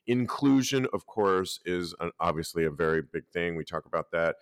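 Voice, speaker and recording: A man hosting a casual podcast, talking lively and reading out articles and listener posts. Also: deep voice, moderate pace, clean tone, no room sound, clean studio sound. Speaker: podcast host.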